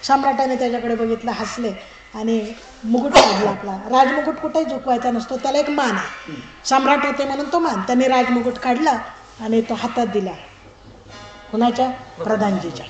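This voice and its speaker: A woman giving a religious discourse to a live audience, telling a parable in a lively way and acting out its characters. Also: a little high, brisk, loud music behind the voice. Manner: lively storytelling that acts out characters and street calls. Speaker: pravachan speaker. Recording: echoey hall with audience noise.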